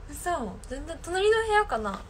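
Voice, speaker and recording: Young woman streamer, lilt, higher voice, chatty with viewers, faint room hiss behind. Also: sing-song, a little slow. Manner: chatty, reacts to viewer comments. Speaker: idol livestreamer. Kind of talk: casual live stream chat. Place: her own room, alone.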